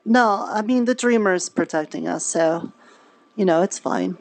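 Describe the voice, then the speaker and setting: A woman's voice: fairly low pitch, measured pace, darkish tone. A woman chatting casually in improvised online roleplay, with an easygoing, playful, conversational manner.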